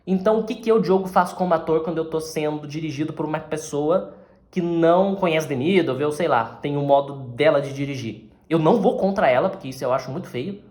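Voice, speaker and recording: Brazilian male actor-teacher, relaxed explainer, keeps checking in with tag questions. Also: a little high, fairly quick. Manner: conversational, often ends phrases with tag questions. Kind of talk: casual explanatory lesson.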